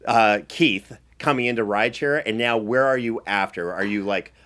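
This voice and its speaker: Low-pitched male host. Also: moderate pace, fairly bright tone. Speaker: host and series producer. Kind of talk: conversational interview.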